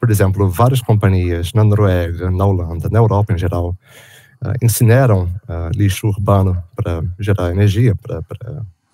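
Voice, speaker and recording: A fairly low, dark, mellow male voice, somewhat breathy, at a moderate pace with ordinary pitch variation. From Brazil, Rio de Janeiro. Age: 30s. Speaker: chemical engineer, solvent specialist. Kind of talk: technical seminar presentation. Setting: online video seminar. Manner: halting, many fillers.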